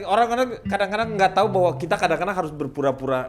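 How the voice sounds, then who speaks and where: A man's voice: high-pitched, lively intonation, rapid-fire, a loud crowd. A man explaining things in casual talk-show chat.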